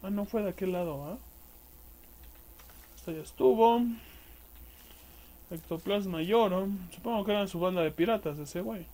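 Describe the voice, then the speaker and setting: Swearing Mexican gamer commentating. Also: male voice, high voice, moderate pace, pauses often, mellow. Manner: crude slangy banter, swearing at enemies. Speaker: gameplay streamer. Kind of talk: casual let's-play commentary.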